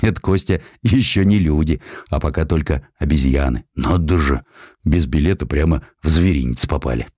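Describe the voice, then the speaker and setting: A man's voice: rumbling low, moderate pace, a little mellow, dry recording, clean studio sound. A man voicing a worldly Russian officer and explorer, educated and wry, in a storybook reading. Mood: wry amusement.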